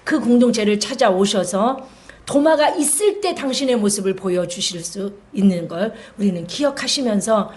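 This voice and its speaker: A middle-aged woman pastor preaching a Sunday sermon in an animated way, often acting out the gentle voice of Jesus speaking to his disciples. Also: medium pitch, moderate pace.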